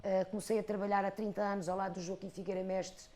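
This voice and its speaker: A Portuguese woman in her fifties from the Algarve, an expressive storyteller talking about her life and craft, with an Algarve accent. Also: medium pitch, quick pace. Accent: European Portuguese, Algarve. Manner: expressive storyteller, rhythmic lists. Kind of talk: reflective interview talk.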